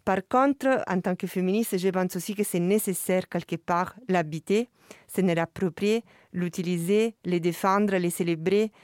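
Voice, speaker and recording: Hesitant woman with a smooth, dry voice. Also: fairly low pitch, unhurried, darkish tone, no echo. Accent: non-native French accent. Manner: hesitant, searching for words, many fillers and restarts. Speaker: artist discussing her radio work. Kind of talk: reflective discussion at a listening session.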